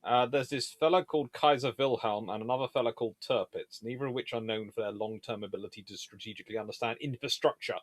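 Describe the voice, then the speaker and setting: Fielding viewers' naval history questions during a casual live session, this host talks fast with few pauses, wandering off on tangents and frequently correcting himself. His voice is medium-pitched, and there's no room sound.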